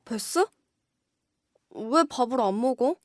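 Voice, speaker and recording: A woman's voice: a little high, lively intonation, slow pace, no echo, clean studio sound. A young woman playing a devoted, worried young woman nursing her sick sister in an audio drama, earnest and emotionally open. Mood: worried, urgent.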